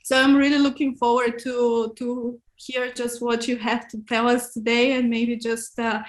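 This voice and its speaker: A young woman from Bulgaria introducing herself in an online workshop, chatty and giggly, with many fillers. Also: on the high side. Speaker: workshop participant. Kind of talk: casual self-introduction.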